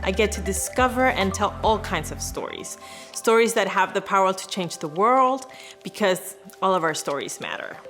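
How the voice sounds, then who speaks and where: A woman's voice: mid-range voice, animated, moderate pace, a bit bright. A woman from Venezuela, giving an earnest, upbeat prepared statement as an award recipient. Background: background music.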